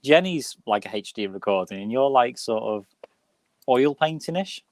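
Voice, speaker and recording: A man's voice: medium pitch, animated, normal speed, no echo, clean studio sound. A man hosting a casual live-stream film chat over a video call, full of playful banter. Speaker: host.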